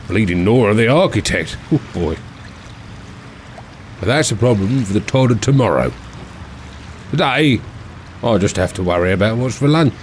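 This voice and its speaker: A man's voice: mid-range voice, darkish tone, slight background noise, lightly acted. An actor playing a good-natured working-class handyman with rambling, homespun speech in an audio drama monologue. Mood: uneasy, then light, musing.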